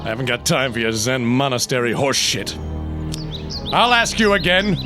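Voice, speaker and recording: Man acting a folksy, intimidating police captain, animated. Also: mid-range voice, normal speed, lightly acted. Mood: threatening. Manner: folksy, needling, threatening. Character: suspicious, intimidating small-town police captain. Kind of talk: audio drama acting. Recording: loud music under the voice.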